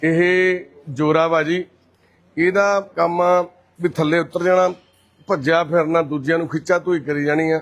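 Punjabi-accented man hosting a live shelter tour, upbeat and coaxing, voice sitting a touch high. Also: fairly even intonation, unhurried. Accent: Punjabi from Punjab, India. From Punjab, India. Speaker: host and caretaker at a care shelter. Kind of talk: live walk-through narration.

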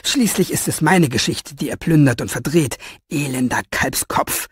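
A man's voice: on the high side, lively intonation, normal speed, slightly rough, no echo, studio quality. A man voicing a grumpy, aging male writer who grumbles insults in an audiobook reading. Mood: scornful.

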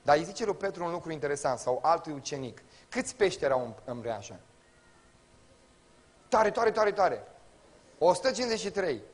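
A man with a Romanian accent preaching a sermon to a congregation in a colloquial way, his delivery swinging from loud exclamations to low murmurs. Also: very animated, hardly any pauses. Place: church before a congregation.

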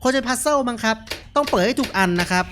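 A man's voice: very high-pitched, expressive, rapid-fire, pushed and bright, slight background noise. A man giving casual, jokey commentary while playing a horror game. He chats freely, reads out what he finds and laughs often. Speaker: gaming streamer.

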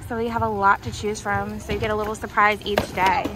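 A young American woman, a shopping vlogger, gushes casually and enthusiastically over items inside a discount retail store. Her voice is medium-pitched and level, a little fast, and the audio quality is poor. She holds her own phone or handheld camera while music plays in the background.

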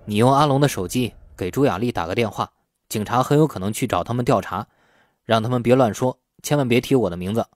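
A man's voice: medium pitch, fast talker, no echo, studio quality, lightly acted. A man voicing a wary, bossy young man in an audiobook. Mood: impatient.

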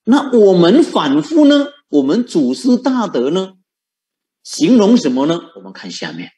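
A man's voice: high voice, huge pitch swings, unhurried, dark tone. A man, a Buddhist monk, giving a dharma talk in Mandarin with a Fujian tinge, asking rhetorical questions and chuckling at his own points. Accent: Fujian-influenced Mandarin.

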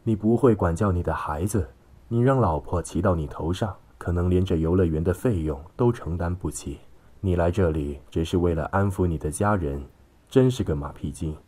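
A man's voice: deep voice, moderate pace, dark tone. A man voicing a belligerent, contemptuous middle-aged father in an audiobook story, scolding and sneering.

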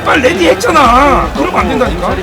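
A man commentating live football in an excited esports caster style, exclamatory and blunt, with casual swearing. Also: very high-pitched, fast talker. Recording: loud crowd and music behind the voice. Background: football crowd noise and music.

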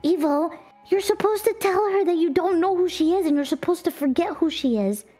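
A giggly, encouraging woman streamer co-hosting a show with excited casual banter. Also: extremely high pitch, fairly quick. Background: music.

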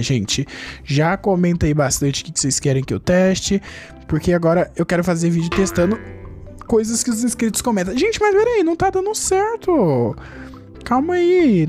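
A man from Brazil giving excitable gameplay commentary as a YouTuber, chatting nonstop to his viewers and jumping high in pitch when something surprises him. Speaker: gaming YouTuber.

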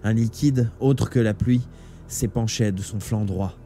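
A man reading a novel aloud live, with steady, dramatic storytelling. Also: medium pitch, measured pace, slight background noise. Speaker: audiobook reader. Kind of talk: live audiobook narration. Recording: faint background music.

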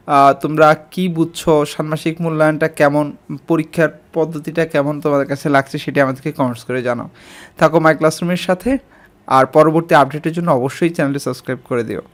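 A man giving an exam-prep lesson to school students, speaking directly to them and pausing with fillers as he explains. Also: a little high.

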